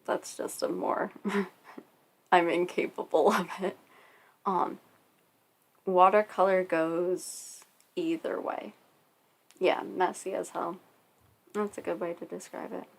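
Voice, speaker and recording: A young woman talks quietly and unhurriedly as she draws on a home stream, her voice sitting a little low. She hesitates often with soft ums. The sound comes through a cheap desktop condenser mic. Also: steady tone, slow pace, vocal fry, long pauses. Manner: speaks quietly and softly, with many hesitant ums. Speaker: art streamer. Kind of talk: casual chat while drawing. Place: at home, family nearby.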